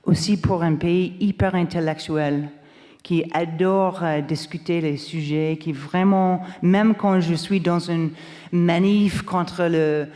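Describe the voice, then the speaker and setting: A journalist from Canada speaking on a panel, halting and searching for words with many restarts. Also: female voice, on the low side, fairly even intonation, dark tone. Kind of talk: round-table remarks. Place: lecture hall. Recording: long hall reverb.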